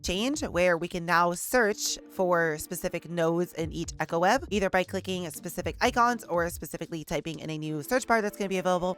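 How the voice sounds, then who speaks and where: A woman hosting a gaming news vlog, hoarse from losing her voice, talking through game updates in an enthusiastic, chatty way. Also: mid-range voice, a bit bright.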